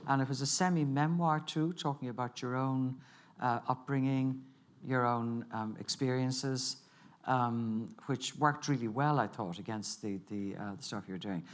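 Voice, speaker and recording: A man moderates a festival panel. He speaks in an animated, emphatic way and often restarts his sentences. His pitch swings up sharply when he makes a point. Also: unhurried.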